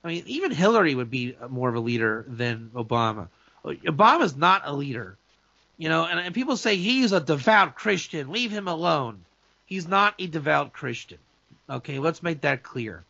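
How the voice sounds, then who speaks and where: A man's voice: on the high side, sing-song, moderate pace, vocal fry, pushed and bright, no echo, dull audio. A man, a rabbi, talking in a casual, opinionated talk-show chat, emphatic and full of restarts and asides. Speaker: rabbi and guest speaker.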